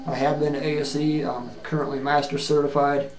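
A middle-aged man giving a plain-spoken, earnest video resume, halting often with fillers and restarts, recorded on a webcam in a small room. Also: on the high side, level tone, background noise. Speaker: job seeker. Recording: echoey room with faint ambience.

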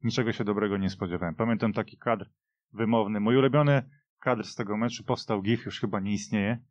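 Low-voiced man, dull dry sound. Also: fairly even intonation, fairly quick, no echo. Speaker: podcast panelist. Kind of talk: casual football reminiscence. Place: dry radio studio.

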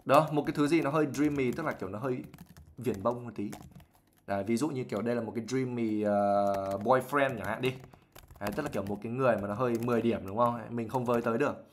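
A man's voice: medium pitch, quick pace, slight background noise. Chatty male English teacher on a live stream. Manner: chatty and explanatory, often sprinkling English words into his explanations; laughs and acts out examples while explaining. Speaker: IELTS teacher. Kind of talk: live vocabulary lesson, reading a novel aloud and explaining words.

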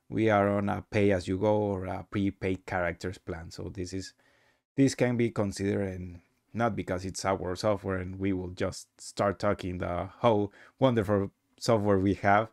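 Low-voiced man, halting tutorial narrator. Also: creaky, no echo, studio quality. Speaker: host demonstrating his software. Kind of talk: casual software tutorial narration.

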